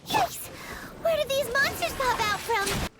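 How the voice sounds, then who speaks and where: A woman voicing a small, curious, excitable fairy-like girl companion in a video game, with a squeaky, childlike voice. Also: a little slow, rough recording. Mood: excited. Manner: refers to self in third person, exclamatory. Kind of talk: video game character acting. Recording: game music behind the voice.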